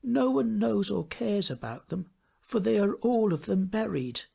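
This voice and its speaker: A man narrating a fairy tale from a script in an expressive, theatrical manner, often hushing his phrase endings. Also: high-pitched, unhurried, vocal fry, breathy edge. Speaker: storybook narrator.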